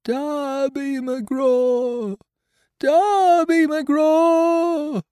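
A man voicing the thin, high, trembling voice of a dead pirate's ghost, wailing slow calls as if from far off. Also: steady tone, warm tone, dry recording, studio quality, heavily acted.

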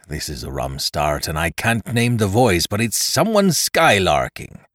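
A man voicing a cunning old pirate leader who talks in gruff, blustering sailor slang. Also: deep voice, very animated, unhurried, fairly bright tone, dry recording, clean studio sound, exaggerated voice. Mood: rallying.

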